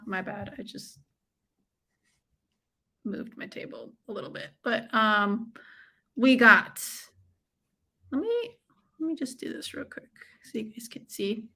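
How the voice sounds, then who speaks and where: A woman's voice: fairly high pitch, sharp tone. An American woman hosting a live watch-along, chatting casually with viewers in an informal, effusive, slangy way. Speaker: livestream watch-along host. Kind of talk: casual live chat with viewers and fight commentary.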